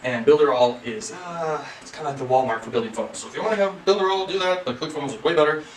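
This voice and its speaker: A man giving a casual, energetic online marketing tutorial, salesy and loose, often saying freaking. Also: a little high, fast. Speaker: online course creator. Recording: echoey room, mic at a distance, faint ambient noise.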